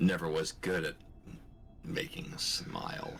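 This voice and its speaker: Over clear background music, a man puts on a raspy character voice at a medium pitch, moving at a moderate pace with very wide pitch swings. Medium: actual play. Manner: dry, sardonic.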